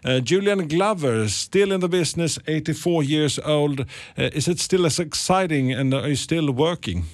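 Male radio host, Swedish accent, halting filler-laden questions. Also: fairly high pitch, lively intonation. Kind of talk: radio interview.

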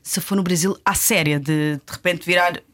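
A young Portuguese woman tells a story in a relaxed studio chat, in a European Portuguese accent. Her voice sits a little low, and she slips into the voices of the people she quotes. The sound is dry and close to the mic. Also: normal speed, no room sound. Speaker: actress telling a story as a guest. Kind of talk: casual chat.

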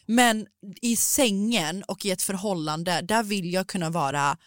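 A woman co-hosting a podcast in casual chat, who often breaks in with loud exclamations and English swearing. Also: mid-range voice, no room sound, studio quality. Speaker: podcast co-host.

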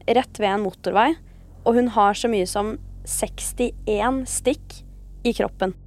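A woman's voice: medium pitch, gravelly, a little mellow. A woman host telling a true-crime story in a conversational, semi-scripted narration. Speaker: podcast host.

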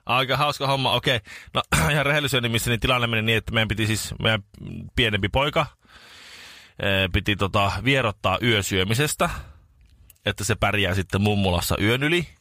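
Low-voiced man telling a funny story. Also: dry recording, clean studio sound. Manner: animated, self-mocking anecdote telling. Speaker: radio morning show host. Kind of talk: casual storytelling chat.

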